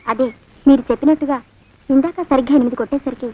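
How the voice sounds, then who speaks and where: Brief: naive meek young woman, simple answers; high voice, dull old film sound. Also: fairly even intonation, quick pace. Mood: innocent. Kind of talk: film comedy dialogue.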